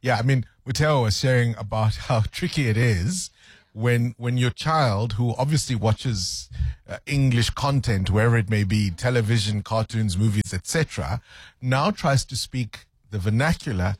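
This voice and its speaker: A man's voice: medium pitch, moderate pace, breathy edge, no echo, studio quality. A man hosting a breakfast radio show, chatting playfully and teasing his co-hosts. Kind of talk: lively breakfast radio chat. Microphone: studio microphone.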